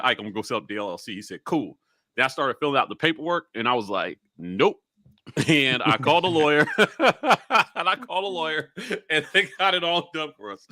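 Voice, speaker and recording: A man with a bright, forceful voice co-hosts a casual sports show. He is chatty and enthusiastic, and the sound is close and dry. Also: mid-range voice, dry recording. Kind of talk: casual sponsor read and banter.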